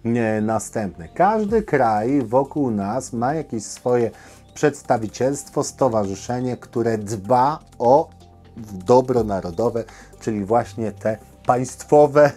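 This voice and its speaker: A man hosting an informal news commentary, speaking directly to viewers in halting, opinionated phrases with pauses. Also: medium pitch, animated, mellow, soft background music. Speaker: host of a camping news show.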